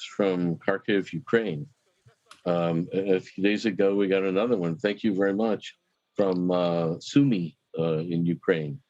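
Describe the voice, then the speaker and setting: A man with a low voice gives a halting interview as a station manager. He repeats words as he goes, and the recording is echoey and somewhat dull. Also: a little mellow. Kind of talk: unscripted interview talk. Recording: dull, roomy interview sound.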